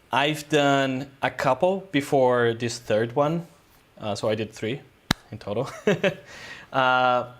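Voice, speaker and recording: A man, a guest filmmaker telling a story in a casual interview, rambling loosely with lots of "uh" and "um". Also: medium pitch. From Brazil.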